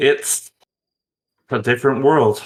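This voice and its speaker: A man uses a gruff, put-on character voice at medium pitch. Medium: actual play. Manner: terse, somber.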